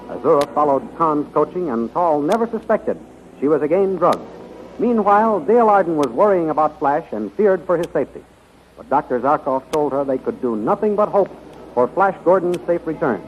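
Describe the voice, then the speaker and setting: A man announcing and narrating a 1930s radio serial in a formal, dramatic, emphatic way. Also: a little high. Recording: dull 1930s radio recording.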